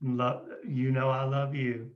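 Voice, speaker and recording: A man's voice: medium pitch, little pitch movement, slow pace, dull audio, natural voice. A man playing a tender, doting young coal miner father in folksy rural dialect at a script table read. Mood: gentle.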